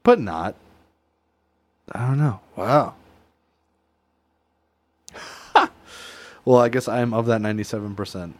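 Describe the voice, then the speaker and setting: Male co-host, unhurried, animated pitch, quippy, laughs a lot, dry close sound. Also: dry recording. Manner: reacts with quick quips and frequent laughter. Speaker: podcast co-host. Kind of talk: casual political commentary chat.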